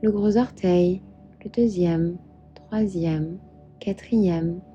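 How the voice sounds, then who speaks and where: Slow, very mellow woman guiding meditation. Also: lowish voice, lo-fi sound. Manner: calm, soothing, measured instruction. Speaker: yoga instructor, meditation guide. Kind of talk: guided meditation narration. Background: soft background music.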